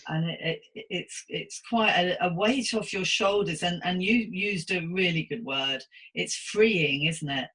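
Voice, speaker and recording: A woman's voice: on the low side, a little slow, few pauses, fairly bright tone, breathy edge. A woman hosting a conversational podcast interview in an earnest, empathetic manner. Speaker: podcast host interviewing a guest.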